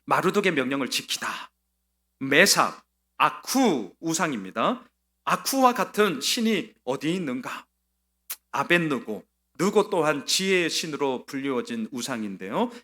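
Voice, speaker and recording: A male pastor delivering a Sunday sermon with lively, sweeping intonation. His voice is bright and forceful, and he presses his points with emphatic rhetorical questions. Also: fairly high pitch, unhurried.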